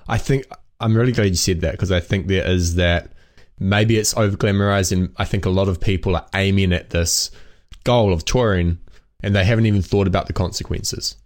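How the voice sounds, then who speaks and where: A man's voice: low voice, steady tone, brisk. A man hosting a music production podcast, talking in a thoughtful, conversational way and asking questions. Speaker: podcast host. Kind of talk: casual podcast interview.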